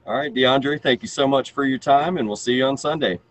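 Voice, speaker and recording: Moderator, male, 30s, medium pitch, formal and brisk, hands questions along on a video call. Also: no echo, rough recording. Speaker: media relations moderator. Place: indoor room, on video call. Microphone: video call, speaking through face mask.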